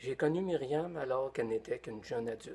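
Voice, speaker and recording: A man is speaking here. His pace is moderate. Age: 60s. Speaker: testimonial giver. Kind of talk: testimony, reading a written tribute. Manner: halting.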